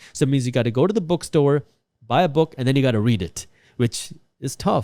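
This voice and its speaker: A man's medium-pitched, dark, mellow voice at a very fast pace, with ordinary pitch variation, in a very clean recording with a silent background and a dry, close sound free of echo. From US, Indian immigrant family. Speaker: finance content creator. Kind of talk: podcast interview.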